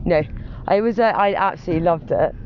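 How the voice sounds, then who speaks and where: A British man with a fairly high voice tells stories casually and emphatically, full of gushing emphasis. The recording is a little dull, with faint background noise. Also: fairly quick. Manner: chatty, gushing, emphatic with exclamations and intensifiers. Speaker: interview guest, former personal assistant to wealthy clients. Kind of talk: casual anecdotal chat.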